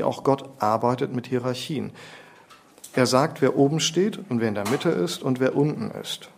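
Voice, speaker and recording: A man preaching a sermon, lecturing with rhetorical questions and slowing down to stress key phrases. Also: mid-range voice, gravelly, a little mellow, a little hiss or hum.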